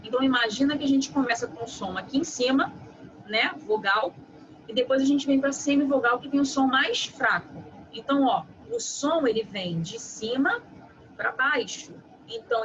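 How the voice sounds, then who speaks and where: A woman teacher giving a review lesson, explaining step by step in a didactic way and often checking in with quick tag questions. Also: fairly high pitch. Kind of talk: online lesson. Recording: muffled with steady background noise.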